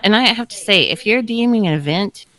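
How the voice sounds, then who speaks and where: A woman's voice: mid-range voice, lively intonation, brisk, fairly bright tone, rough recording. A woman co-hosting a podcast, talking casually and offering advice in a group chat. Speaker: podcast co-host.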